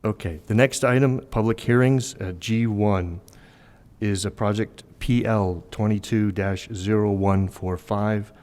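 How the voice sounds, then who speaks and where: Very low-voiced man chairing a meeting. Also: fairly even intonation, unhurried, a little mellow. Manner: hesitant and apologetic, many ums. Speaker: commission chair. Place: council chamber.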